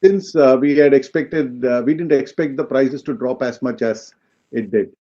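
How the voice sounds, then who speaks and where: A man answering questions as a company executive on a business call, explaining in a halting way and often checking with a short tag question. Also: mid-range voice, mellow. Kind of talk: unscripted business Q&A on an earnings call. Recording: dull, lo-fi conference call audio.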